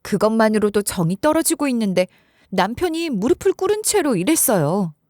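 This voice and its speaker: Lively, animated woman story narrator. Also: fairly high pitch, brisk, no room sound, clean studio sound. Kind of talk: scripted first-person story narration.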